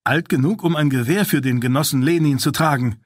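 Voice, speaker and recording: A man's voice: a little high, brisk, no echo, pitched above the performer's own voice, close to an everyday voice. Eager teen boy soldier, raised and earnest, read by a man, dry sound. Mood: proud. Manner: proud, earnest. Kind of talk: audiobook character voice.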